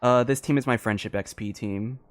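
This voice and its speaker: A man livestreaming a game, chatting casually in a halting, rambling way into a close microphone. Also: medium pitch, dry recording, faint music behind.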